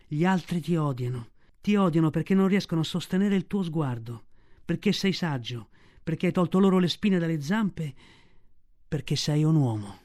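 A man's voice: a little high, animated, normal speed, darkish tone, natural voice. Man voicing Bagheera, tender panther. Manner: tender, grave storytelling tone. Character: black female panther, protective and proud.

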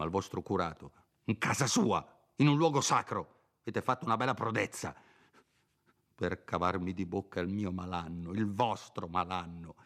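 A man reading aloud and voicing a timid, fussy old country priest who pleads and scolds. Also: on the low side. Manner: fearful, whispery pleading turning to scolding.

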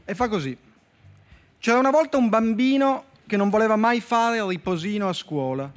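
A man with a Turin accent, a poet guest on a radio show, reading his short comic fables in a dry, deadpan way with slow pauses before the punchlines. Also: high-pitched. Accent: Italian, from Turin. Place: radio studio. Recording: music bed playing faintly behind.

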